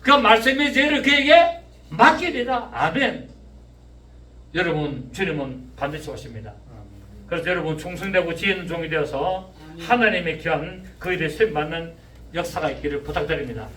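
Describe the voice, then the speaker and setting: A pastor in his fifties with a Gyeongsang accent, preaching a sermon, often shouting and firing questions at his congregation. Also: on the high side, brisk. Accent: Gyeongsang Korean. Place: church sanctuary. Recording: echoey church room, mic at a distance.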